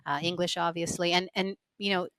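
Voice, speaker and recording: A woman's voice: on the low side, steady tone, brisk, fairly bright tone, no echo. Earnest woman in a dry, close recording. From lives in Israel. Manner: earnest, reflective storytelling. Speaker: interview guest, finance professional. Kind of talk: conversational interview.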